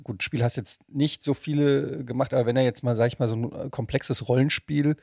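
A man speaking as a podcast host, chatting informally and curiously, thinking out loud as he asks. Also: mid-range voice, fairly even intonation, brisk, vocal fry, dry recording, clean studio sound. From Germany. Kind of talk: casual interview chat.

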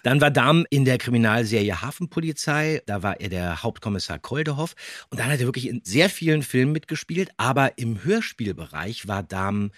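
A man's voice: mid-range voice, lively intonation, fairly quick, a bit bright, no room sound, clean studio sound. A man hosting a podcast, talking conversationally and emphatically about radio drama history. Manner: enthusiastic, emphatic. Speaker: podcast host and voice actor.

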